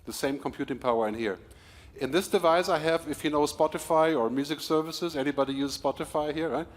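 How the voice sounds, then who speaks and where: Man giving a lively keynote. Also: a little high. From Germany. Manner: energetic, quick, with small laughs and asides to the audience. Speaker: keynote speaker. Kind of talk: keynote talk to a live audience.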